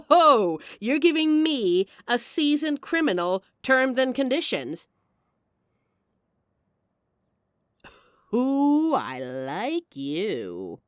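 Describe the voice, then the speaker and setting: A brash female mafia boss, acted by a woman in an audio roleplay, swinging widely in pitch. She is wry, flirty and apologetically charming, talking straight to the listener in a dry, close recording. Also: very animated, slow, no room sound. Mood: amused, flirtatious.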